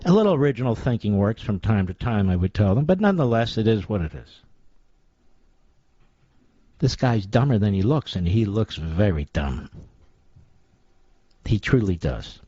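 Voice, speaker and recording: Sarcastic, combative radio talk host. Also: male voice, on the low side, sing-song, normal speed, long pauses, dark tone, husky, no echo. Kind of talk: opinion talk radio monologue. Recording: dull lo-fi dry sound.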